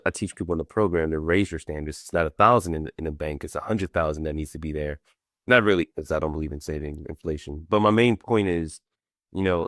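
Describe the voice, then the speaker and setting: Deep-voiced man hosting a chat. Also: dry recording, studio quality. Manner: relaxed, conversational, lots of fillers. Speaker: host. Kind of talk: casual interview chat.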